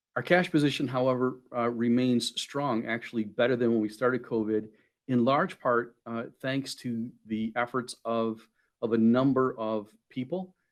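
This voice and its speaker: A man speaks at medium pitch with fairly even intonation in an ordinary speaking voice. The background is quiet. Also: moderate pace. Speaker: nursing facility administrator presenting to county board. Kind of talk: budget presentation at government committee meeting. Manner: many fillers and repetitions.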